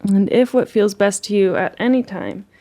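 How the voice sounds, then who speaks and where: A woman leading a guided relaxation as a meditation teacher, speaking in a soothing, gentle and unhurried way. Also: medium pitch.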